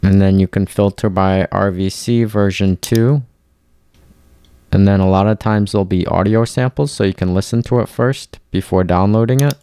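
A man narrating a step-by-step software tutorial in a plain, instructional way. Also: low-pitched, moderate pace, clear, resonant tone.

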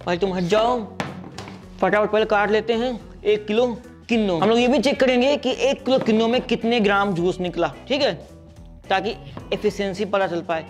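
A man's voice: high-pitched, normal speed, soft background music. Chatty young man reviewing a juicer. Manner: chatty, lively demonstrating while juicing. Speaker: product reviewer. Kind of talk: casual product review vlog. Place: small indoor studio set with striped backdrop.

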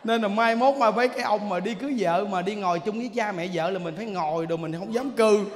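A man's voice: high-pitched, fast. A male Buddhist monk with a Southern Vietnamese accent gives a humorous Dharma talk, telling stories with lots of laughter and exclamations. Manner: animated storytelling, frequent laughter and exclamations. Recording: reverberant hall, faint background noise.

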